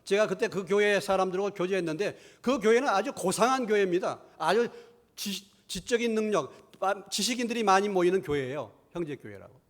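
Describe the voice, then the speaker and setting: Middle-aged male pastor, fairly high voice, preaching with rhetorical questions, hushed asides and loud emphatic peaks. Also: expressive, fairly quick. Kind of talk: sermon. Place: church sanctuary.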